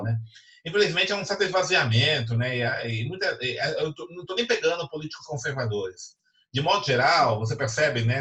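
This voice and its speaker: A man talks with very wide pitch swings. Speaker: professor and talk show host. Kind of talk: interview question, conversational.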